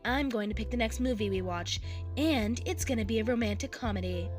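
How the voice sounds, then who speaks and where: Firm, playfully stern mother female actor, higher pitch, audiobook drama. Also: a little fast, faint music behind, close to an everyday voice. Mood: firm, teasing.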